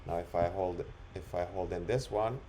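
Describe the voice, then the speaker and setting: A man talking through an unscripted screen-recorded software demo, explaining it step by step in an instructional way. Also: low voice, moderate pace, slight background noise, low-quality recording. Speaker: software demonstrator.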